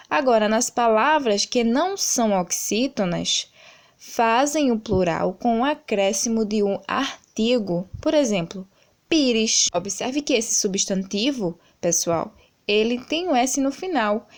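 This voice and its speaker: A Brazilian woman teacher giving a recorded lesson, explaining slowly and patiently and checking often that her pupils follow. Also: medium pitch. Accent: Brazilian Portuguese. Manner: slow, patient explaining with frequent "certo?" checks. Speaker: school teacher.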